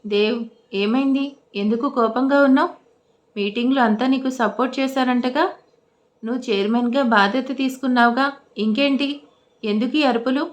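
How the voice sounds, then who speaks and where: A woman doing an older father in an audio story, measured and firm. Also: high voice, fairly even intonation, close to an everyday voice. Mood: questioning. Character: stern but caring older father.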